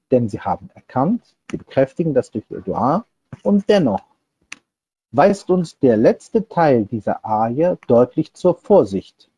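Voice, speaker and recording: Casting: middle-aged man, religious lecturer, mellow low-brightness tone with a husky grain, deliberate delivery. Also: no room sound. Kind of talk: sermon, explanatory lecture. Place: small indoor room, seated before a screen divider. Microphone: wired earphone headset on a video call setup.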